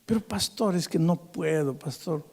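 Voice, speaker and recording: A male preacher voicing a tearful drunk man who pleads and begs in a quiet, shaky voice. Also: on the high side, moderate pace, vocal fry, slightly rough, long reverb tail, pitched above the performer's own voice. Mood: pleading. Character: weeping drunk man begging for punishment.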